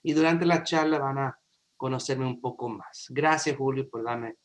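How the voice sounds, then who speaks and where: American-accented lawyer speaking Spanish. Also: male voice, medium pitch. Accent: American English. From New York, USA. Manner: friendly, halting Spanish with restarts. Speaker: immigration and real estate lawyer. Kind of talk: guest on a webinar.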